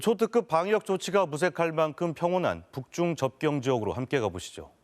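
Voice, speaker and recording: A man with a fairly high voice narrates a news magazine report. He reads from a script as the narrator. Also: expressive, fairly quick, slight background noise.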